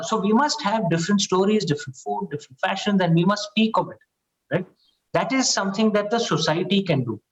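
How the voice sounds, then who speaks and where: An earnest Indian man speaks in a fairly high register, and his points keep coming back with a persuasive "right?". He hesitates often with drawn-out "uh"s. The recording sounds dull and muffled. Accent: Indian English. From Uttar Pradesh, India. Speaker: panel guest. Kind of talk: panel discussion.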